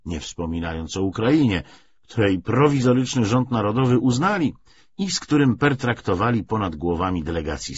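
A man reading a historical novel aloud as an audiobook narrator, in an expressive, scripted literary style. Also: mid-range voice, breathy edge. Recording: dull, lo-fi audiobook recording.

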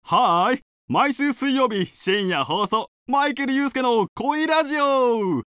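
A man's voice: extremely high pitch, lively intonation, slow pace, bright, forceful tone, clean tone, no room sound, studio quality, full character voice. A male voice actor playing an upbeat, flirty, showy late-night love-advice radio DJ. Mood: bubbly, flirty.

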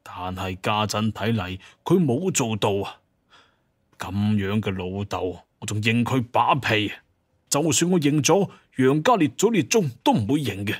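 A man's voice: on the low side, very animated, measured pace, breathy edge, no echo, studio quality, exaggerated voice. A man playing a proud, bitter hunter clan heir in an audio drama, with an emphatic manner. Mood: bitter, indignant.

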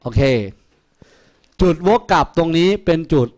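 Guy tutoring math in a classroom, slightly high voice, cracks crude jokes at students. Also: unhurried, darkish tone. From Thailand. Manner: joking, crude, teasing students. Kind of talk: classroom lecture.

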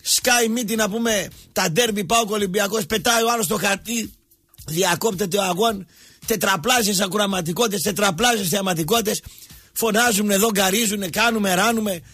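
Sports radio guy going off, mocking everyone, high raspy voice. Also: no room sound, soft background music. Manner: sarcastic, mocking, switches between shouting and muttering. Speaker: radio sports talk host. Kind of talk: ranting monologue.

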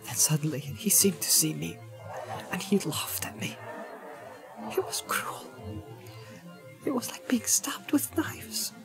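A man voicing a frightened, haunted young hobbit in a storybook, breathy and hesitant, stammering as he speaks. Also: fairly even intonation, moderate pace, few pauses, over music, poor audio. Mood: anguished. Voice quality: breathy, shrill at peaks.

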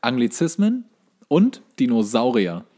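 A man's voice: mid-range voice, huge pitch swings, unhurried, dark tone. A man co-hosting in casual comedic banter, reading things out and reacting with mock exasperation and swearing. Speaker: podcast co-host reading out a list.

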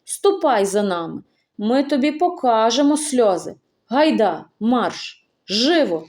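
A gruff mounted guard barks short, clipped orders, as a woman reads him. Her voice stays mellow and slightly high under the commands. It is a storybook audiobook. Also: sing-song, takes it slowly. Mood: commanding. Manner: barked orders.

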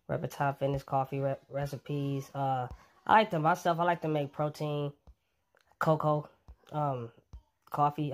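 A fitness vlogger casually pitching a coffee to his viewers, relaxed and chatty, with plenty of ums.

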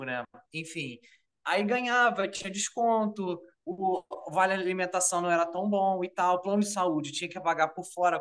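A man in his thirties with a Carioca accent, chatting on a video call in a relaxed, rambling way. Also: high-pitched. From Rio de Janeiro, Brazil. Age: 30s. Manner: relaxed, rambling with fillers like "tipo" and "entendeu". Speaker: interview guest. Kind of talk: casual video-call chat.

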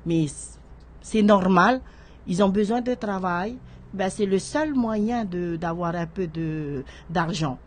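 A woman's voice: on the low side, slow pace, slight background noise. A middle-aged woman, a guest speaking in a radio studio interview who often restarts and repeats words. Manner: hesitant, repeats words while searching for them. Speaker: guest, horticulture association president. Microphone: studio microphone on a stand.

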